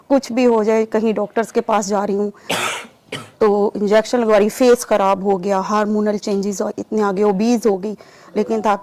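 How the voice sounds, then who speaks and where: A woman giving a personal testimony in an interview, telling her story in a lively way and acting out the remembered dialogue. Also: fairly high pitch, no room sound. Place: lives in Saudi Arabia.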